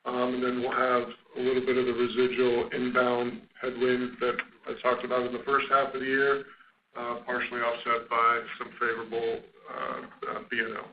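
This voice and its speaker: A man speaking as a company finance executive, answering questions on an earnings call in a measured, halting business manner. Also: mid-range voice, completely flat delivery. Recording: muffled, noisy conference phone line.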